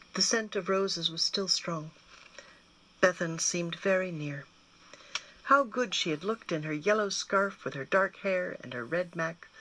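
A woman's voice: fairly low pitch, a little hiss or hum, poor audio. A woman reading a children's novel aloud, telling it expressively. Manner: expressive storytelling. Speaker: guest reader.

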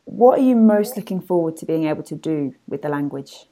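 Soft-spoken woman asking questions. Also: deep voice, expressive, brisk. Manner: brief questions and soft backchannels. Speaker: interviewer. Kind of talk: casual interview chat.

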